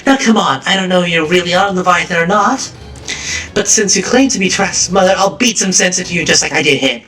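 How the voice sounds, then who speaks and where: A man voicing a proud, elegant young woman in a strained falsetto. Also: brisk, bright, forceful tone. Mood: confident. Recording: roomy distant mic, music behind.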